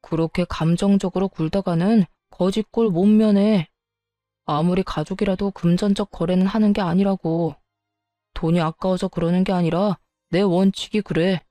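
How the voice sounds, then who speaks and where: A woman's voice: on the low side, fairly even intonation, moderate pace, mellow, no echo, faint music behind, close to an everyday voice. A woman voicing a stingy, selfish young husband who talks in a curt, lecturing way.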